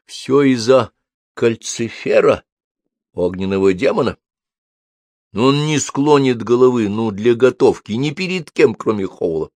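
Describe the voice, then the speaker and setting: A man's voice: mid-range voice, expressive, unhurried, darkish tone, no echo, voice pushed up. A man voicing an awkward, polite young male apprentice who speaks with embarrassment. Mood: sheepish.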